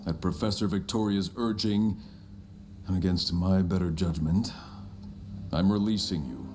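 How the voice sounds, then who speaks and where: Military commander played by a man, deep, authoritative, measured and grudging, audio drama with light music. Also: mellow. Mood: stern, warning. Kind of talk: cartoon audio drama acting.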